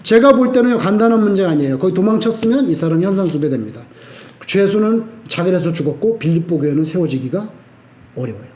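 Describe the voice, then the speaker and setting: A male pastor preaching a sermon, telling the story with lively acted-out quotes and sudden shouts. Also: high voice, fast talker, a little hiss or hum. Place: church sanctuary. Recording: echoey church sanctuary.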